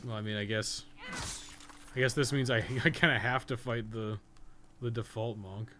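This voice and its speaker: A man's voice: lowish voice, fairly even intonation, moderate pace, bright, forceful tone, a little hiss or hum. A man doing casual, sweary live gameplay commentary, often muttering to himself as he plays. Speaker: game streamer, podcast host.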